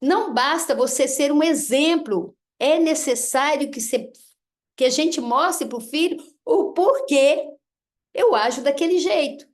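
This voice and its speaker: A woman's voice: sits high, measured pace. A woman giving a lecture on parenting, who keeps acting out what parents and children say. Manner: animated, acts out parent and child lines. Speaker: speaker giving a talk on parenting. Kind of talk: lecture to an audience.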